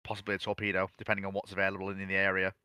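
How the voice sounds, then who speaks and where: Emphatic man, very bright and dry. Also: sits low, completely flat delivery, racing, clear, resonant tone, no room sound. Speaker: panel guest. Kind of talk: casual expert analysis.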